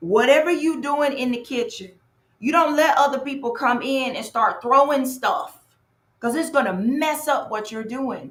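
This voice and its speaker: A loud, high-pitched woman's voice, animated in tone, with ordinary pitch variation. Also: moderate pace. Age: 40s. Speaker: business coach. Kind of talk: workshop talk.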